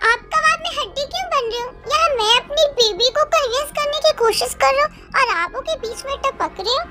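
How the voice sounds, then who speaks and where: A performer with a high young voice plays an obsessive young man in a fan audio drama, with a creepy sing-song sweetness that drops to low threats. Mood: taunting. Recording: music bed under the voice.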